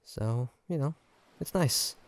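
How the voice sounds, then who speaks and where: A man playing an affectionate, teasing boyfriend in a roleplay audio drama, talking casually and haltingly with a slightly gravelly voice. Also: mid-range voice, expressive. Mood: relaxed, chatty. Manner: casual, halting, gently teasing, chuckling delivery. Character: affectionate, teasing human boyfriend on a fancy date. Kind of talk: roleplay audio drama, intimate one-sided conversation.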